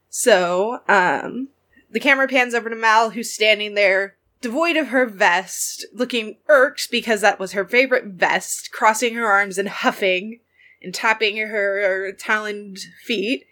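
A woman's voice: medium pitch, bright, forceful tone. A woman taking part as a player in a tabletop game, upbeat and chatty. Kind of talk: casual introduction and in-character narration.

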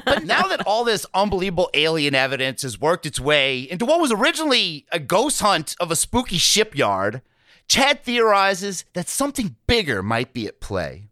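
High voiced guy cohosting a podcast, swoops all over when he jokes, dry sound. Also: normal speed, dry recording. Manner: animated, jokey, acts out quoted people in silly voices. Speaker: podcast co-host. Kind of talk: casual comedic podcast chat.

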